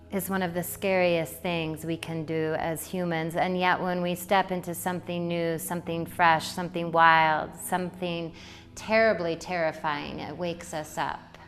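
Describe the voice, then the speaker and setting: A woman leading a guided meditation in a poetic, soothing way, with deliberate phrasing and long pauses. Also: lowish voice, flat delivery. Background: music.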